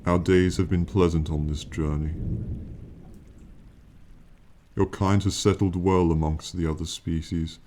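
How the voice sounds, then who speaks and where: A man voicing an ancient, proud male dragon in an ASMR fantasy roleplay, speaking slowly and formally with lofty, condescending yet fond authority. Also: low voice, fairly even intonation, dark tone, natural voice. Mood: lofty, calm. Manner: slow, formal, lofty, archaic phrasing.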